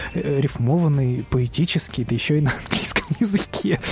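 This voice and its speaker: A man talks at a moderate tempo while music sounds in the background. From Russia, Ulan-Ude (Buryatia). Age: young. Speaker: composer. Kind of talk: radio interview.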